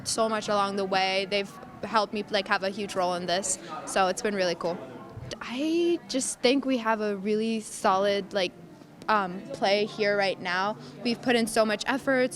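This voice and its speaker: A teenage girl, a student director, answering an interview enthusiastically and casually, with "like" fillers. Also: mid-range voice. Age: teens.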